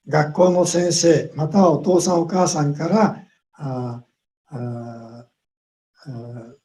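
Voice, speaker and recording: A man delivers a lecture over a video call, speaking in short, measured phrases. His voice sits a little high yet sounds dark and mellow. He pauses often with drawn-out fillers, leaving room for an interpreter. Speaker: guest speaker.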